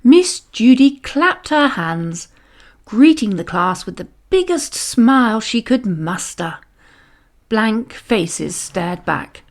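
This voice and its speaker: A woman reading a children's story aloud with dramatic, expressive narration. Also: on the high side. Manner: animated, dramatic, deliberate storytelling.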